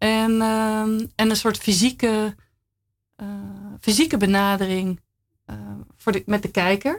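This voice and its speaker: A woman at a fairly high pitch with fairly even intonation, a very slow pace and long, frequent pauses, on a very clean recording with a silent background. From Netherlands, partly raised abroad speaking English and Italian. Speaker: artist. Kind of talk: radio interview. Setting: radio studio. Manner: halting, many fillers.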